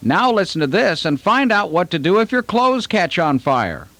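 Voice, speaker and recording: A man's voice: high voice, sing-song, normal speed, a bit bright, no room sound, full character voice. A man voicing a friendly puppet host who patiently explains fire safety to children in a puppet show. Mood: instructive. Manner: patient, instructive, talks to children.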